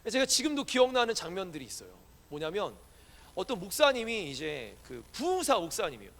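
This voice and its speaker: A male pastor preaches in a casual, playful way, asking his young congregation questions as he goes. His voice sits high and swings widely in pitch. A long church-hall reverb trails after his words. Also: fairly bright tone. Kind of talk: conversational sermon to young adults.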